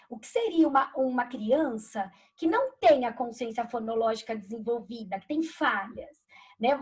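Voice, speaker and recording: Woman teacher, high and kinda husky, lively, throws in classroom examples. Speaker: literacy teacher co-host. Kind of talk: explanatory live discussion.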